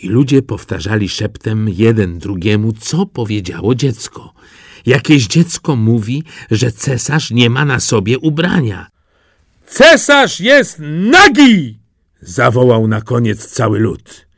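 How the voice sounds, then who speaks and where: Slow, expressive male storyteller. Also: on the low side, creaky, no echo, clean studio sound. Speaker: reader. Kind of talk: fairy tale reading.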